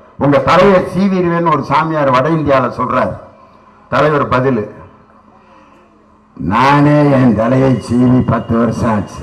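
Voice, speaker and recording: Noticeable background noise beneath a man's fairly high voice with ordinary pitch variation. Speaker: political speaker. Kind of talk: comic political speech at a rally.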